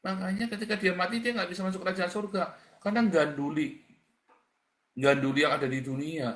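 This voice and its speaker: A man's voice: high-pitched, fairly even intonation, a little fast, fairly bright tone. A man preaching a livestreamed sermon as a pastor, in a conversational, blunt and colloquial way, often calling his listeners brothers and sisters. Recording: echoey room.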